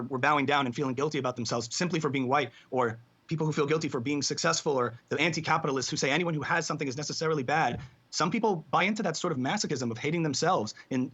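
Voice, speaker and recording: A man's voice: fairly high pitch, fairly bright tone, husky. A man arguing politics as an interview guest in long, formally worded sentences, on a slightly dull recording. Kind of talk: articulate political argument. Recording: slightly dull, muddy playback.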